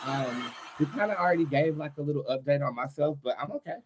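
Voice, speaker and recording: A man's voice: a little high, fast, very noisy. A man hosting his own live online show as a tarot reader, chatting casually in a sassy, slangy way as he promotes and encourages. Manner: sassy, slangy, addressing viewers as honey. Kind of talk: casual livestream chat with pep talk and promotion.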